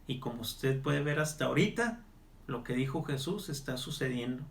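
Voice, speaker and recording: A man's voice: medium pitch, lively intonation, normal speed, vocal fry. A male evangelist pastor leading a televised Bible study and prayer, earnest and pleading as he speaks straight to the listener.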